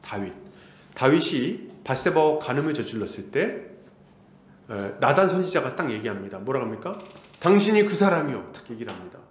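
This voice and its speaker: A man's voice: mid-range voice, lively intonation, brisk, roomy sound. A man preaching a sermon as pastor, acting out the voices of church members he quotes. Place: church sanctuary.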